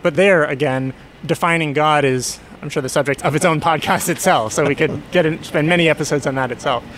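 An earnest man answers interview questions in a reflective, searching way, often rephrasing as he goes. His voice sits a little high for a man. A faint hum of outdoor street traffic runs underneath. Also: a little fast, a bit bright. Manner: thoughtful, earnest, self-correcting. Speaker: resident of a Quaker community house.

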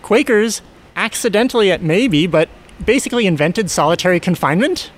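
An earnest man answers interview questions in a reflective, searching way, often rephrasing as he goes. His voice sits a little high for a man. A faint hum of outdoor street traffic runs underneath. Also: expressive, a little fast. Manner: thoughtful, earnest, self-correcting. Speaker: resident of a Quaker community house.

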